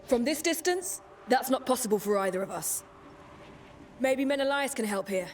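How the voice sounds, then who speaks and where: An actress playing a wary, practical female warrior in a video game, speaking in a serious, measured way. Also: a little high, animated, slight background noise, lightly acted. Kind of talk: video game cutscene acting.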